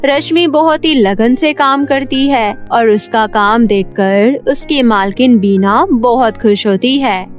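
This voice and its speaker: A woman's voice: on the high side, takes it slowly, few pauses. A woman reading scripted narration for a children's cartoon story. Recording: music behind the voice. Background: background music.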